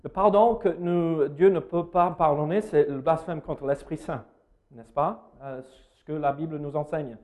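A man's voice: fairly high pitch, steady tone, measured pace, darkish tone. A man with an American accent giving a sermon in a church hall. He hesitates a lot with fillers and puts questions to his listeners. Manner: hesitant, many fillers, asks the audience questions. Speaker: pastor.

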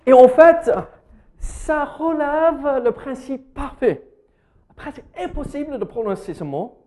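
This pastor's voice is extremely high in pitch yet mellow, and he speaks with an American accent. Giving a sermon in a church hall, he is hesitant, uses many fillers, and asks his audience questions.

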